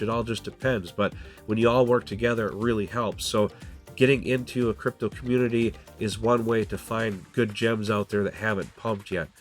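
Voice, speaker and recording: A man hosting a casual crypto walkthrough, sounding stuffy and nasal from a cold, talking loosely with lots of fillers. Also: fairly low pitch. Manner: casual, filler-laden, repeats "go ahead" and "guys". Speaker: crypto channel host. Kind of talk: screen-share walkthrough, casual explainer.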